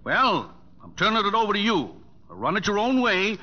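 A stern, ambitious older American father in an old radio play. His voice is very sharp and animated, commanding and impatient by nature. The sound is dull and dated. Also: high voice, normal speed, exaggerated voice. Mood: forceful, impatient. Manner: authoritative, exacting, clipped commands. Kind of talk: 1950s radio drama acting.

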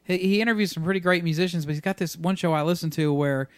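Rambling podcast co-host, dry studio sound. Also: male voice, fairly high pitch, quick pace, smooth, no echo. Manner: rambling, laughs easily, many fillers. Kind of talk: casual chat.

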